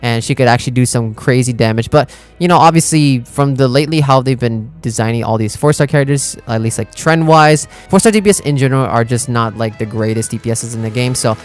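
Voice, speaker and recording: Young adult male streamer, mid pitch, informal reaction commentary, thinks aloud, music underneath. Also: fast talker, few pauses. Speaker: streamer reacting to game content. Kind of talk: casual reaction commentary, partly reading aloud.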